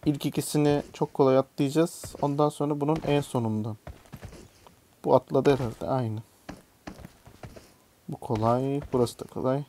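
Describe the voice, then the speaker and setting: A man's voice: medium pitch, steady tone, normal speed, long pauses, warm tone, slight background noise. A young man gives casual commentary while playing a mobile game, muttering to himself and swearing or yelping when a jump fails. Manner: muttering, swears and yelps at failed jumps. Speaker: gaming YouTuber.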